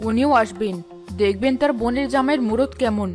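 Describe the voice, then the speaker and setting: An actress playing a proud wealthy wife in a cartoon, talking in a chatty, boastful way. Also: female voice, a little high, a little fast, faint music behind, close to an everyday voice. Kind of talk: cartoon voice acting.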